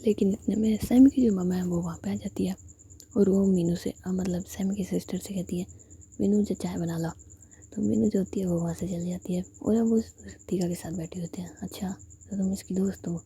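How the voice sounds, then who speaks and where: A woman narrating a story in a soft, steady whisper. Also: lowish voice, brisk, slightly rough.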